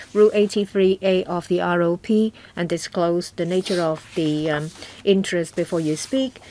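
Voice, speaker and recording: A woman's fairly low, dark, mellow voice at a fairly slow pace, with fairly even intonation, dry sound with no echo, and light background noise. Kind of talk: formal meeting chairing. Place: hall. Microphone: podium.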